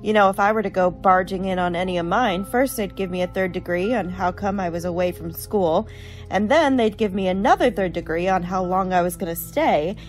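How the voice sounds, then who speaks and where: A woman playing a chatty, brisk college girl in a radio horror drama. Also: on the low side, soft background music, lightly acted. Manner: chatty, colloquial.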